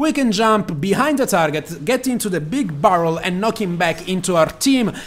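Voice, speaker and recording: Speaking at a fairly quick pace, a man with an Italian accent uses lively intonation. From Italy. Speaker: gaming video creator. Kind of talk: live gameplay commentary.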